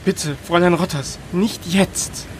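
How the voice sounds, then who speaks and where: A timid first mate, voiced by a man who answers every order politely and fumbles with ums and ahs. His voice sits a little high. A faint hiss runs behind the radio-play recording. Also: unhurried. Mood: meek. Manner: polite, hesitant, many ums. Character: servile male first mate, nervous and obliging.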